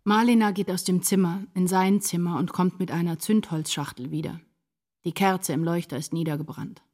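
A woman's voice: on the low side, steady tone, normal speed, a little mellow, dry recording, studio quality, lightly acted. An actress playing an anguished woman writer, narrating her inner turmoil intensely and introspectively in a literary radio play. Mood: subdued.

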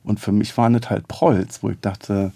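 Berlin comedian, man, low and warm, casual, rambling with fillers. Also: little pitch movement, normal speed. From West Berlin. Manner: rambling, many fillers and restarts. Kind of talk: casual conversation.

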